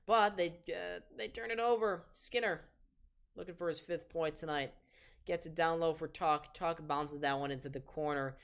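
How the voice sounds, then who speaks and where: An eighteen-year-old man with a soft voice, casually calling live hockey play-by-play on a stream and chatting with viewers between plays. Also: a little high, steady tone, moderate pace, gravelly, smooth. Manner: chatty, reads chat aloud and talks to viewers between plays. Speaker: play-by-play commentator and stream host.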